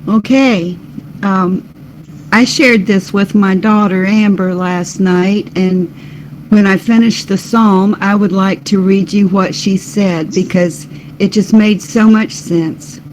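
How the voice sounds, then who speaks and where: A woman reading a psalm as a devotional on an online show, slow and measured. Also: mid-range voice, steady tone, a little mellow, a little hiss or hum, rough recording. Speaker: devotional reader.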